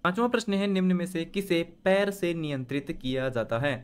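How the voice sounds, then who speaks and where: A man's voice: on the high side, a little fast, clear, resonant tone. Man explaining quiz answers step by step. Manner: explains step by step, reads each question then rephrases it. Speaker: channel host and tutor. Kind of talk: screen-share quiz lesson. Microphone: voice-over on screen recording.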